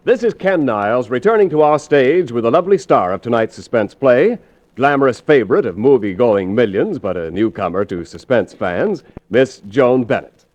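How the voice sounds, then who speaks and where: A man as radio announcer, reading a 1940s sponsor message in a smooth, salesy delivery. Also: medium pitch, expressive, normal speed, darkish tone. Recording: dry, dull lo-fi vintage broadcast.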